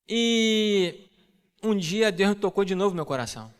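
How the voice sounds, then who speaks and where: A high-voiced man preaching a personal testimony to a congregation. His voice is smooth and resonant, and he tells the story in an animated way, jumping up in pitch to act out the family dialogue. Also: a little slow. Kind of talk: sermon testimony to a church audience.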